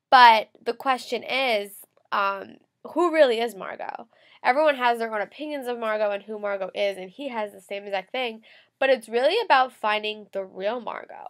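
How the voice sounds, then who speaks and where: A young woman with a slight cold talks through a book review at her webcam in her bedroom. Her voice sits a little on the high side, and she keeps it chatty and loose, full of fillers and quick self-corrections. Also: fairly bright tone. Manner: chatty, gestures a lot, many fillers and restarts. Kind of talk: casual book review vlog. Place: bedroom with photo-covered wall. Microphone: webcam at close range.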